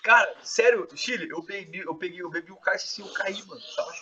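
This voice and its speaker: A man casually telling his testimony in an excitable, slangy way, full of filler words. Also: high voice, quick pace. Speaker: host sharing his testimony. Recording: distant, dull lo-fi mic.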